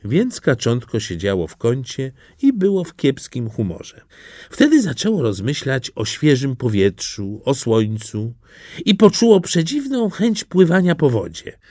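A man reading a fairy tale audiobook in an expressive storytelling manner. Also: medium pitch, measured pace, dry recording, studio quality. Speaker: narrator.

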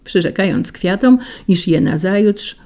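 A woman narrating a fairy tale in a measured, expressive storybook reading. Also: mid-range voice.

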